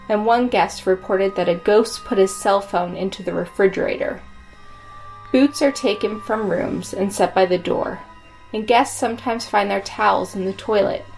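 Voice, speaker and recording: A woman's voice: mid-range voice, a little mellow, low-quality recording. A woman co-hosting a podcast, reading scripted ghost stories with music behind her. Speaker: podcast co-host. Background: background music.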